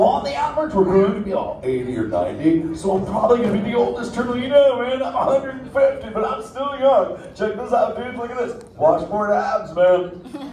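With a high-pitched, darkish voice, a man plays a laid-back male surfer sea turtle who keeps drawling "dude" and "man" while talking with the audience at a live interactive theme show. The audio is roomy and noisy, picked up by a distant mic.

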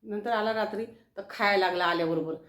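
A middle-aged woman with a Marathi accent, a vlogger who calls to her pets in a high sing-song voice and chats about them in a casual way. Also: brisk, a bit bright, echoey room. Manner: coaxing pets in a high sing-song voice, then telling a story in a low voice. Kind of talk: casual chat.

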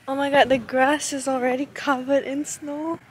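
A woman's voice: high-pitched, little pitch movement, moderate pace. A young woman from Malaysia chatting casually and giggling as she vlogs with a handheld camera. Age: young adult. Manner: giggly, chatty, often whispers at night. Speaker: vlogger. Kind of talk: casual vlog chat. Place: outdoors in snow and campus halls. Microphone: handheld camera at arm's length. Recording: noisy outdoor camera audio.

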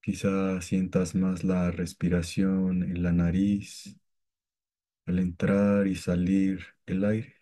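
A man guiding a meditation with calm, gentle, scripted instructions and long pauses between phrases. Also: deep voice. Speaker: meditation guide.

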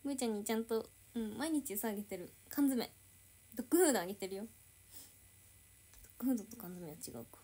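A woman's voice: on the high side, quick pace, long pauses, warm tone, breathy edge. A young woman idol chatting casually on a livestream, reading and answering viewer comments.

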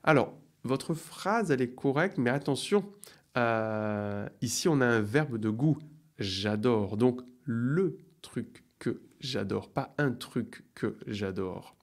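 Man, middle-aged, teacher, live online lesson, slow deliberate pace, drawn-out examples, encouraging praise, desk webcam. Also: medium pitch, animated. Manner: upbeat praise, playful sound effects. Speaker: French teacher.

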